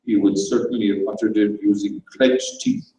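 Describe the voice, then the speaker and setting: A man giving a dramatised, measured reading of a comic short story in an indoor venue. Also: on the low side, fairly even intonation, dark tone. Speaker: story reader. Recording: very echoey room, distant microphone.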